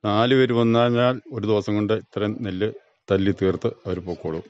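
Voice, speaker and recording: A man's voice: on the low side, fairly quick, darkish tone. A man with a Kerala accent, a farmer being interviewed, giving brief, plain, matter-of-fact answers. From Kerala, India. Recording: dull, band-limited dry radio recording.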